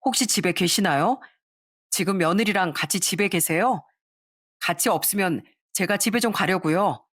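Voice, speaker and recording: Brief: respectful grown man, calm but pressing, read by a woman narrator, dry close sound. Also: lowish voice, moderate pace, breathy edge, dry recording. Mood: polite urgent. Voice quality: courteous, steady. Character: polite adult male family friend, urgent.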